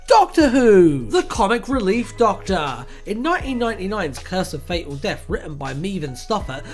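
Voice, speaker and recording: A woman's voice: mid-range voice, a little mellow. A woman presenting comedic scripted narration in a tongue-in-cheek, mock-dramatic way. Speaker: video essay presenter. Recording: voice-over with music behind. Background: music.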